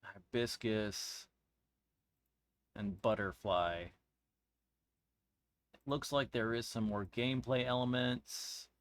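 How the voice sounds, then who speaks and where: A man giving casual, rambling commentary as a game streamer, halting and searching for words, often trailing off mid-thought. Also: mid-range voice, no echo. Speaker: streamer reviewing a visual novel game.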